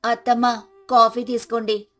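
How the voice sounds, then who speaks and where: A woman's voice: fairly high pitch, flat delivery, moderate pace, fairly bright tone, natural voice. A woman voicing a village wife in a moral story. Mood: earnest. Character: lazy village wife turning earnest and hardworking. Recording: music behind the voice.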